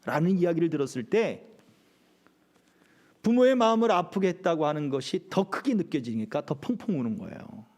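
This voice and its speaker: A man's voice: a little high, big pitch swings, normal speed, a little mellow. A middle-aged male pastor preaching a sermon at a church service, often asking the congregation rhetorical questions.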